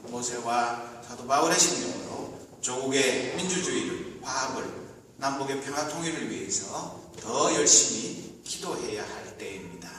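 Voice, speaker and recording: A man in his fifties, a pastor delivering a measured Sunday sermon with frequent hesitant fillers. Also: medium pitch, animated, distant mic, noisy background. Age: 50s. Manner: measured preaching with hesitant fillers, rising for emphasis. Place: church sanctuary. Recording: echoey hall, recorded from afar.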